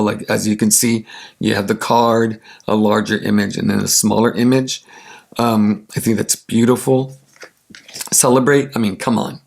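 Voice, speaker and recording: Raspy man, gravelly, slow and unhurried, enthusing about his cards. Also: mid-range voice. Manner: gushing, enthusiastic, with many fillers. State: congested from allergies. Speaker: tarot deck reviewer. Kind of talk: casual chat showing cards.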